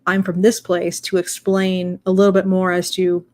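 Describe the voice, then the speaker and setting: A woman's voice: lowish voice, completely flat delivery, normal speed, a little mellow. A young woman in casual discussion, talking in a rambling way with many fillers and restarts.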